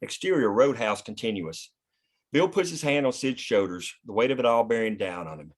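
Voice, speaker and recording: Male narrator, medium pitch, scripted screenplay narration, stage directions. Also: animated, moderate pace.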